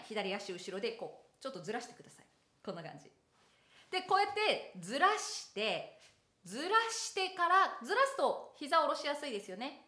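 A woman teaching singing in an online lesson, explaining things in a lively way and breaking into short sung examples. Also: fairly high pitch, roomy sound.

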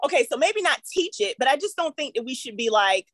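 In an animated panel discussion, a woman with an African American accent speaks emphatically and keeps checking for agreement with "right?". Her high-pitched voice swings widely in pitch, she talks fast, and her tone is fairly bright in a dry recording.

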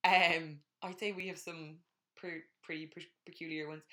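A young woman from Ireland talks through her dating habits in a loose, self-deprecating ramble. Her voice is bright and sits a little low. She co-hosts a casual podcast. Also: level tone, moderate pace. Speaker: podcast co-host. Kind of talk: casual chat.

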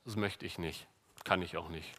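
Man preaching a lively sermon. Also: sits low, normal speed. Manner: lively, asks the audience rhetorical questions.

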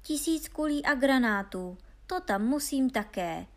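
A woman reading aloud and voicing a foolish, cheerful young peasant lad who boasts loudly. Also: sits high, animated, voice pushed up. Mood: boisterous. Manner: boastful, loud and carefree.

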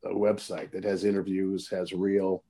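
A man's voice: sits low, little pitch movement, moderate pace, warm tone. A man who works as an actor, talking as a guest in a casual chat and telling emphatic anecdotes.

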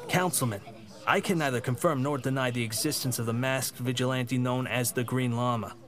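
A sardonic police commissioner played by a man with a medium-pitched voice. He is insolent under a layer of dry formality, like a wisecracking lawman from an old radio serial. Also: fairly even intonation, a little fast, a crowd in the background, natural voice. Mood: dry, defensive. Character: wry, insolent police commissioner sparring with politicians. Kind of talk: 1940s-style radio drama acting.

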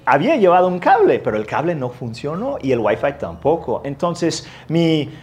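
A man's voice: on the high side, normal speed. Man preaching through a self-mocking story. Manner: animated, self-mocking anecdote with lively voiced quotes. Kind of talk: storytelling sermon.

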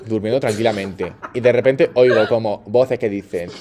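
A man's voice: fairly low pitch, normal speed, crowd noise. A young man with a Spanish accent, telling party stories in a casual, joking chat as a podcast co-host. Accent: Spain. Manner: animated storyteller, slangy and joking.

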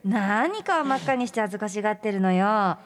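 A woman's voice: very high-pitched, very animated, fairly quick, pitched above the performer's own voice. A woman voicing a coy, teasing young woman in a playful, mock-bashful manner.

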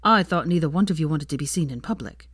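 An earnest young wizard voices his worries, as a woman reads him. His pitch climbs high when he gets anxious. The sound is close and dry. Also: lively intonation, fast, a bit bright, breathy edge, dry recording, heavily acted. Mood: worried.

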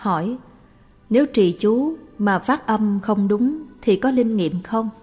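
A woman reading the questions aloud in a plain, even tone for a Buddhist question-and-answer recording. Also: medium pitch, slow pace, breathy edge. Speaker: reader of the questions. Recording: long reverb with faint background music.

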